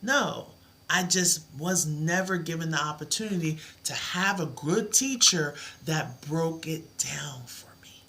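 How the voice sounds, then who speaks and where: A woman's voice: low voice, a little slow, fairly bright tone. A middle-aged woman teaching a live math lesson, with a soothing voice and an encouraging, reassuring way of talking. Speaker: math tutor.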